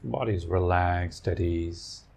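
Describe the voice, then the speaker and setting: A man guiding a meditation as a teacher, giving gentle instructions in short, soothing phrases with long pauses. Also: sits low, creaky.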